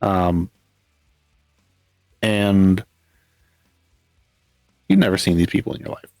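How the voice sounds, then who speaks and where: A man's voice: deep voice, fairly even intonation, takes it slowly, a little mellow, no echo, soft background music, poor audio. A man narrating a tabletop role-playing game as storyteller, rambling with many fillers. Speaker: game master.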